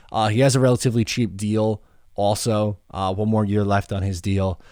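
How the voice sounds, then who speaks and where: A man with a Long Island accent speaks at a fairly low pitch. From Long Island, New York. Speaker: sports podcaster. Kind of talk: podcast answering voicemails.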